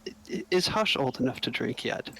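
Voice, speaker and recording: Dude at a tabletop session, middle pitched voice, casual joking. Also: male voice, lively intonation, normal speed, vocal fry, bright, forceful tone, a little hiss or hum, poor audio. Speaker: tabletop game player.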